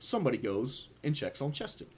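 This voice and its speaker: A man hosting a podcast, telling a story in a loose, profane, animated way. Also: mid-range voice, a little fast, breathy edge. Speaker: podcast host. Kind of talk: casual storytelling chat.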